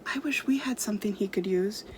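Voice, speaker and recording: A woman's voice: medium pitch, a little fast, a little hiss or hum, natural voice. A woman voicing an eager, curious ten-year-old boy in a children's storybook, earnest and full of questions. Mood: awed, wistful. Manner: excited, questioning.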